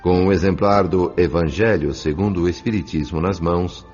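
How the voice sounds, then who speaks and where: Deep-voiced solemn Brazilian male narrator. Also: fairly even intonation, a little mellow. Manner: solemn, measured. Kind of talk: scripted audiobook drama narration. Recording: dull lo-fi audio over music.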